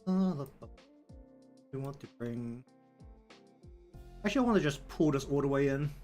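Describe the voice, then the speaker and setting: A man with a thick New Zealand accent and a medium-pitched voice talks casually on a livestream. He rambles and thinks aloud while he works, with music playing faintly behind him. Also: lively intonation, moderate pace, a little mellow. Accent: broad New Zealand. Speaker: live streamer. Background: background music.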